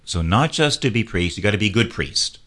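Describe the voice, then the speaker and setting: Low-voiced priest hosting a radio show. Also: male voice, lively intonation, brisk, a bit bright. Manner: earnest, exhorting, leads call-and-response prayer. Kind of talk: prayerful radio talk.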